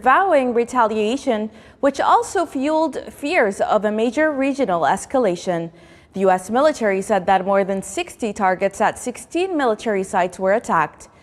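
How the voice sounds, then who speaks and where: Woman reading news in a reverberant room. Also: mid-range voice. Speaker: news presenter. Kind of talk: formal scripted news bulletin reading.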